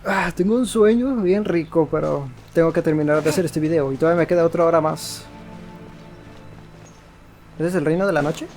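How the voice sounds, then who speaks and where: A gaming video host with a Mexican accent gives casual, slangy, playful let's-play commentary. His voice is a little high with a darkish tone, and he talks fast with long pauses. Faint game music plays behind him.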